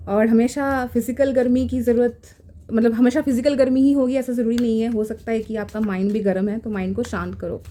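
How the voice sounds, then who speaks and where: A woman giving a casual tarot reading in a gentle, reassuring way, slipping into English phrases. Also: on the high side. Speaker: tarot reader. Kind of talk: casual spiritual guidance. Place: home room.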